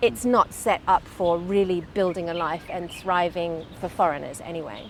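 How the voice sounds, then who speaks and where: This woman's voice sits fairly low, with ordinary pitch variation and a moderate pace. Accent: southern English. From England, Brighton. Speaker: business coach. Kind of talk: interview.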